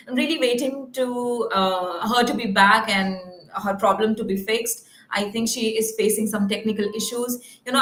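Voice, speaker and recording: A woman's voice: fairly high pitch, fairly bright tone. A woman hosting an unscripted live call-in show in an informal, chatty way. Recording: roomy, echoing sound.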